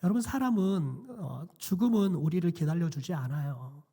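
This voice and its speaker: A middle-aged man, a pastor, preaching a quiet sermon in a church with a hoarse, nearly lost voice and many hesitant fillers. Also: a little high, animated, moderate pace. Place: church sanctuary.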